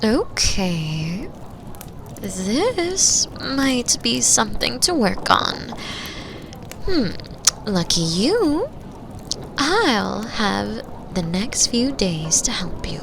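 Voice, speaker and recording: A woman playing a flirtatious, confident mature bar patron in an intimate roleplay, teasing and breathy, often dropping toward a whisper. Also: fairly high pitch, big pitch swings, noisy background, full character voice. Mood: teasing, patient. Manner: slow, sultry, breathy, drops into near-whispers. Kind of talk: binaural roleplay audio drama, intimate second-person acting.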